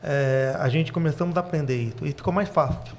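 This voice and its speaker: A middle-aged man, a father and business owner, telling stories about his family company in a relaxed, casual interview. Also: on the high side, a little fast, slight background noise. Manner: relaxed storytelling, laughs while telling anecdotes.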